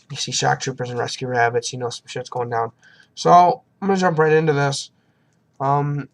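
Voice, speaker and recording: A young man, hoarse from a sinus infection, talks through a card game deck at his desk. He rambles in a loose, self-deprecating way, full of ums and restarts, and stops now and then to cough. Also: medium pitch. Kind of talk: casual deck walkthrough. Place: at a desk at home, indoors.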